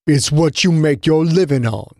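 A man's voice: a little high, moderate pace, darkish tone, dry recording, clean studio sound, lightly acted. A man voicing a proud young male fighter who speaks with angry contempt. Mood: defiant.

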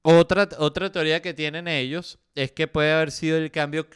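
A man's voice: fairly high pitch, fairly even intonation, moderate pace, clear, resonant tone, no room sound, clean studio sound. A man with a Venezuelan accent hosting a casual comedy podcast, joking around and acting out other people's voices, with plenty of fillers. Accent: Venezuelan Spanish. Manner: joking, acts out quoted voices, lots of fillers. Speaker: podcast host.

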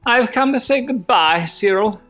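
Earnest, swooping melodramatic heroine. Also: female voice, fairly high pitch, expressive, unhurried, a bit bright, faint music behind. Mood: wistful. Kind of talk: comedic radio play acting.

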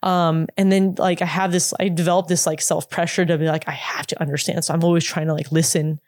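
A woman in her late twenties speaks casually in a slightly low voice, recorded close and dry. She wanders through her answers with many fillers and restarts. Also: little pitch movement, a little mellow, no room sound. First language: English. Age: 20s. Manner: halting, full of "like" and restarts. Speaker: interview guest, former K-pop idol. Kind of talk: casual interview talk.

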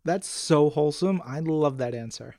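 A man with a fairly high voice hosts a casual fan podcast. He talks in a chatty, enthusiastic way, whether reading messages or giving his take. The sound is dry, with no room echo. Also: normal speed, warm tone. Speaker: podcast co-host.

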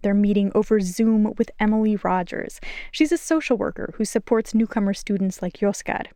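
Female reporter, mid pitch, dry studio narration. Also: moderate pace, dark tone, no room sound. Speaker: education reporter. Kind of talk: scripted news narration.

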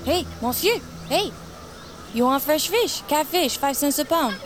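A pushy, high-voiced fish seller woman for an audio drama. She hawks her catch loudly and drops French words into her patter. Background sounds are clear behind her. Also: animated, measured pace, background noise. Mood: hawking. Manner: pushy hawking, French-sprinkled street talk. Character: loud scheming market catfish seller woman.

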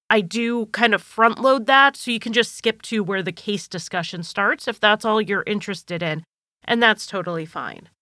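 A woman hosts her podcast solo, talking to listeners in a chatty, organized way. She sounds slightly stuffy and nasal from a cold, with a bright, clear tone. The recording is dry and close, with almost no room sound. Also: mid-range voice, no echo. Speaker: podcast host. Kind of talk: casual solo podcast monologue.

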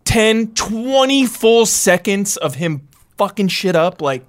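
A man's voice: high-pitched, very animated, slow, no echo, clean studio sound. A man co-hosting a podcast, talking enthusiastically about film in slangy, sweary speech. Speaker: podcast co-host. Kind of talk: casual film chat.

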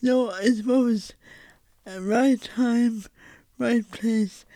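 A slightly high, mellow voice belongs to an Irish woman taking part in a reflective conversation as a guest playwright. Her intonation stays fairly even while she speaks haltingly and thoughtfully, often repeating words, and the recording is dry.

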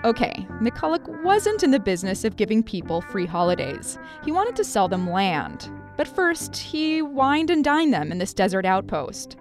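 A woman hosting a radio show, narrating a scripted feature in an upbeat, lively storytelling manner. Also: a little high, moderate pace, hardly any pauses, music in the background. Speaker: radio host.

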